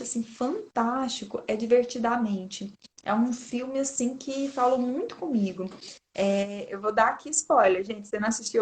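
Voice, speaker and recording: A woman in her thirties with a Brazilian Portuguese accent, giving an informal talk on raising children and often turning to her listeners. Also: a little high. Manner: chatty, keeps addressing listeners as "gente". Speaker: parenting speaker. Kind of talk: informal talk to an online audience.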